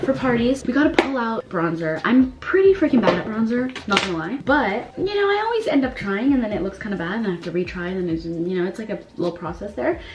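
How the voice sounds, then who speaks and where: Talking at a very fast pace with hardly any pauses, a woman is heard over noticeable background noise. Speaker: vlogger. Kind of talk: casual vlog chat. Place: home room. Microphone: phone near.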